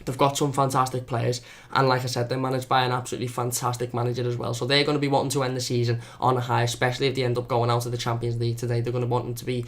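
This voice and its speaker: A man's voice: medium pitch, monotone, very fast. A young man with a Scouse accent hosting a football fan channel, earnestly previewing a match and repeating words for emphasis. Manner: repetitive, earnest, doubles his words.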